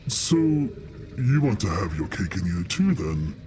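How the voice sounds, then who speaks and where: Man voicing a deep, condescending black dragon. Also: very animated, unhurried, noisy background. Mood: sly, bargaining. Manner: condescending, drawling, bargaining. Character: proud, sly young black dragon, scornful of mortals.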